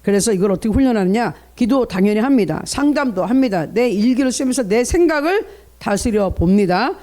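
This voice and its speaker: A man's voice: high-pitched, animated, a little fast, dark tone. A middle-aged male pastor giving an early-morning prayer sermon, preaching earnestly and reading scripture aloud. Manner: earnest preaching, reads scripture aloud, acts out parents' inner voices.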